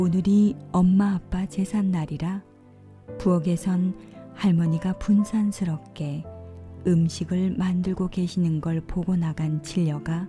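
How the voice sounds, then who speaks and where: The speech moves at a very slow pace with fairly even intonation. Music plays in the background. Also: woman, fairly low pitch for a woman. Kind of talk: essay reading, audiobook narration. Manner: emotional, tearful.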